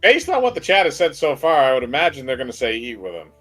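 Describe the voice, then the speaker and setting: Animated bright-voiced man co-hosting a stream. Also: medium pitch, fast, soft background music. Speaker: co-host of game stream, voicing lines. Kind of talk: casual banter and reading game dialogue.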